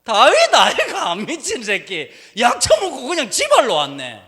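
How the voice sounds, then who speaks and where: A pastor voicing scornful Philistine courtiers, men, in a Gyeongsang dialect, stretching their words into a mocking jeer. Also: male voice, very high-pitched, huge pitch swings, moderate pace, pushed and bright, in a large hall, voice pushed up, heavily acted.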